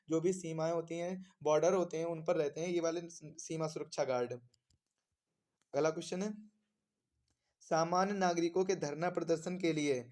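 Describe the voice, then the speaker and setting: A man with a slightly high voice gives an explanatory exam lesson. He reads out questions, repeats key phrases for emphasis and then supplies the answers himself, like a coaching instructor. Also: a little mellow.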